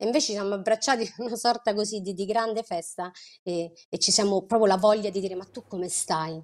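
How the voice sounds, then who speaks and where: In a quiet background, a woman speaks fairly quickly at medium pitch, with ordinary pitch variation. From Rome, Italy; Italy. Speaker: author; guest. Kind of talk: interview. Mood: warm, reflective. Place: home room. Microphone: earbuds.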